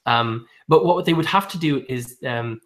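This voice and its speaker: A man hosts a relaxed live-stream book chat on booktube, hesitating a lot with frequent ums and restarts. He laughs often as he talks. His medium-pitched voice is a bit bright, and he speaks at a normal speed.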